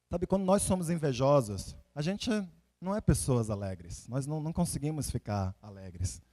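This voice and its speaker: A man Salvador, preaching conversationally in an animated storytelling way, with rhetorical questions and repeated phrases for emphasis. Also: mid-range voice. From Salvador, Bahia, Brazil. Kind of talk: conversational sermon with personal anecdotes and scripture readings.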